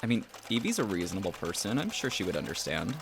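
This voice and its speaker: A woman's voice: rumbling low, big pitch swings, fast talker, gravelly, faint music behind, exaggerated voice. A woman playing a supportive, teasing friend in an audio drama, casual and reassuring. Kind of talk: naturalistic audio drama acting.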